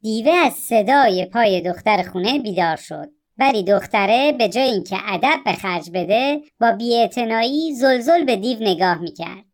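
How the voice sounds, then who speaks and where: A woman co-hosting and narrating a children's story with an expressive, animated delivery. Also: fairly high pitch. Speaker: co-host storyteller.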